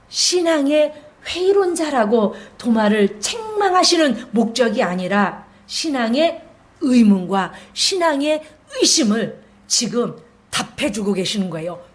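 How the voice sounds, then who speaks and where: Animated woman pastor preaching a sermon. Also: sits high. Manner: animated preaching, acting out gentle voice of Jesus.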